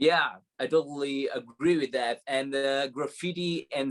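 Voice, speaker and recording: Recorded with a dry, close sound and no echo, a man with a Serbian accent speaks at a fairly high pitch with fairly even intonation. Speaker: street artist. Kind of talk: online class Q&A. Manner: hesitant.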